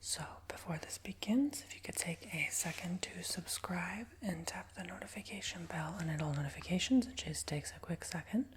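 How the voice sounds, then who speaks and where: A man in his twenties with a nasal, raspy voice, giving a soft, rambling ASMR whisper with many fillers. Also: high voice, moderate pace, hardly any pauses. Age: 20s. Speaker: ASMR creator.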